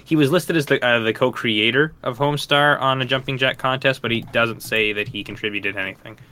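A man co-hosting a relaxed podcast conversation, chatty and laughing easily. His voice is bright and smooth, with a clear, ringing tone. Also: mid-range voice, fairly quick. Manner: chatty, laughs often, many fillers. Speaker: podcast co-host. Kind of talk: casual podcast chat.

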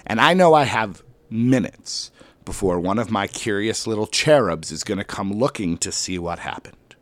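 A man, a schoolteacher, telling a personal story to an audience in an animated way, with sudden loud bursts and slow dramatic drops. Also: fairly low pitch, dry recording. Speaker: elementary school teacher.

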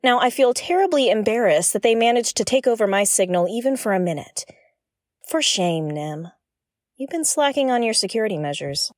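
An actress playing a feisty, irreverent woman who broadcasts from her own ship, expressive and candid in an audio drama. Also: fairly high pitch, normal speed, no room sound, studio quality, lightly acted. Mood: sheepish, defensive. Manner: expressive, candid, prone to gleeful giggling. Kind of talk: audio drama acting, conversational.

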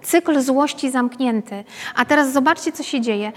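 A woman's voice: high-pitched, normal speed. A woman, a pedagogue, giving an informal workshop talk to a group, chatty and often checking in with her listeners through tag questions. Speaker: pedagogue leading a parenting workshop. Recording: long reverb from a hall.

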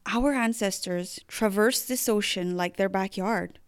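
A woman from the Mariana Islands hosting a podcast, reading a scripted introduction in an earnest, measured way. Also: medium pitch, smooth, no room sound, clean studio sound. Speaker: podcast host.

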